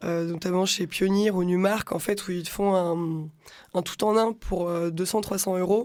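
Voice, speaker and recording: A woman's medium-pitched voice, fairly slow and monotone, with flat intonation. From Brittany, France. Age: 20s. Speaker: DJ. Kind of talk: podcast interview. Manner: hesitant, many fillers.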